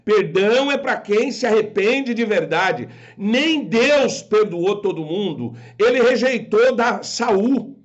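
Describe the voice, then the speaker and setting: A man preaches with emphatic conviction, firing the same rhetorical question again and again. His voice sits high for a man. The recording is a little dull and muffled. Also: expressive, slow pace. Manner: quotes imagined objectors in put-on voices. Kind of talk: preaching to an online audience.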